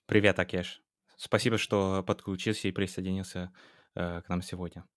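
A man from England with an English accent and English as his native language, co-hosting a casual interview in an encouraging, halting way with repeated words. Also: deep voice, little pitch movement, no echo. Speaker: podcast co-host.

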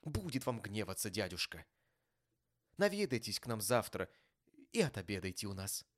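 A man's voice: on the low side, big pitch swings, normal speed. A man reading an audiobook voices a cheerful, earnest young nephew. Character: cheerful warm-hearted young male nephew.

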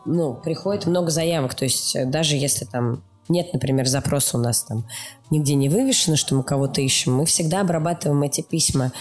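A woman speaking as an interview guest, explaining things in an informal, emphatic way with mock quotes to illustrate. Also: low-pitched. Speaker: animation studio production executive, interview guest. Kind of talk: explanatory interview talk with acted-out examples.

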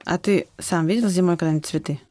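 A woman's voice: fairly low pitch, fast talker, dark tone. A woman co-hosting a children's podcast, explaining things conversationally like a teacher. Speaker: podcast co-host, biology teacher.

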